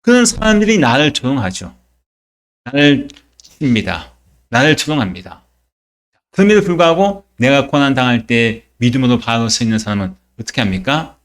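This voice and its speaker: Lively man preaching a sermon. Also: medium pitch, moderate pace. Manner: emphatic, asks rhetorical questions and answers them. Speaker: pastor. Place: church.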